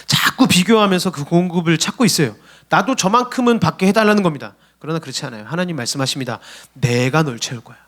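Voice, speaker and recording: A young man preaches in a church sanctuary with a higher-pitched voice. He tells stories and addresses his listeners directly, lively and earnest. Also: fast talker. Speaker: junior pastor. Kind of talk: sermon.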